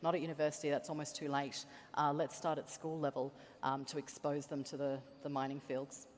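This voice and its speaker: A woman engineer on a panel, speaking candidly and enthusiastically, often pausing with ums. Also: sits low, flat delivery. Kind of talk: panel discussion. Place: large conference hall. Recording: long reverb of a conference hall.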